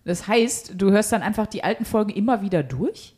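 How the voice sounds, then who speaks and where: A woman's voice: medium pitch, expressive, brisk, a little mellow. A woman in casual, comedic podcast conversation, blunt and sweary, with exaggerated indignation as she hosts. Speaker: podcast host.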